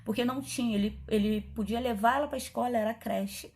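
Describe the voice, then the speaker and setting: A middle-aged woman pastor, telling her testimony in a chatty, animated way, acting out the dialogue as she goes. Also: on the high side, fast. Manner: animated, chatty, frequent asides and quoted dialogue. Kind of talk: testimony storytelling.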